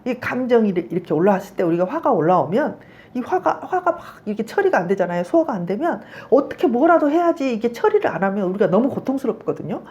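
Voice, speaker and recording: A woman's voice: fairly high pitch, sing-song, fast, darkish tone. A middle-aged woman giving a psychology lecture in a conversational way, often checking in with her listeners and acting out angry outbursts as examples. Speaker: psychology professor.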